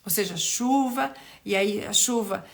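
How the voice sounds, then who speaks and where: A woman's voice: medium pitch, measured pace, creaky. A middle-aged woman, recovering from a cold, hosting a casual live stream as a nutritionist and chatting with viewers in a rambling way. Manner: chatty, greets viewers by name, rambles with restarts. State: recovering from a cold, throat still rough.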